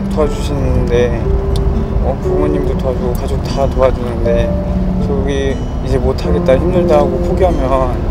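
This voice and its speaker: A man speaks at a moderate pace over clear background music. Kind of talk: interview answer. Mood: reflective about hard times. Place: car.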